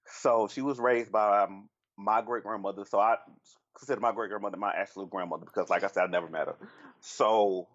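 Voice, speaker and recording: A man with a Southern US accent, a podcast guest telling frank, crude stories in animated casual chat. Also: lowish voice, dull audio. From Southern United States.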